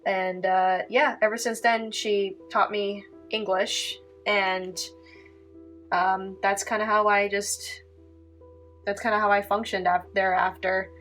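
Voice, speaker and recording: A woman's voice: mid-range voice, little pitch movement, takes it slowly, fairly bright tone. A young woman, a native Italian speaker from Canada, chatting casually through a painting tutorial with lots of "like" and "um.". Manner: chatty, heavy filler words, giggly asides. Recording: faint music behind.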